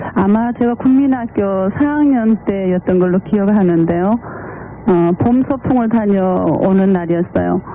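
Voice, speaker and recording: A woman talks very slowly at medium pitch, with hardly any pauses and very even loudness. Noticeable background noise runs underneath. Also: ordinary pitch variation. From South Korea, Waegwan, North Gyeongsang. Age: 40s. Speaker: middle school teacher. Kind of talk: interview testimony.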